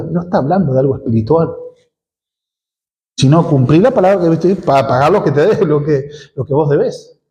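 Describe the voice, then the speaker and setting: A man's voice: a little high, mellow, rough recording. A male pastor with a Rioplatense Argentine accent, teaching an expository sermon in church, asking rhetorical questions as he explains. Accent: Rioplatense Spanish.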